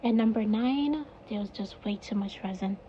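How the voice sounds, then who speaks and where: A woman's voice: mid-range voice, normal speed, mellow, highs cut off, slight background noise. A woman with a Jamaican accent casually narrating her own craft video, rambling and laughing at herself. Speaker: resin crafter, video host.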